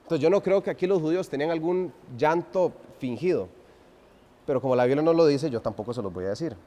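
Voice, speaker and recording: A man preaching an expository sermon, swinging from loud emphasis to hushed, drawn-out phrases and asking the congregation rhetorical questions. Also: a little high, lively intonation. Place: church sanctuary. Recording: long reverb of a church hall.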